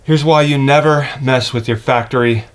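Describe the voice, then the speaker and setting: A man's voice: medium pitch, steady tone, moderate pace, slight background noise. A man hosting a DIY car repair video, explaining each step in plain words as he works with his hands. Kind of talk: hands-on tutorial narration, talking while working.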